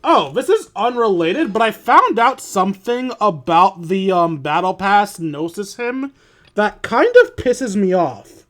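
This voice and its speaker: High-pitched man streaming a video game. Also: big pitch swings, unhurried, a bit bright. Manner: informal, swearing, grumbling. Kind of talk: casual livestream gameplay commentary. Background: music.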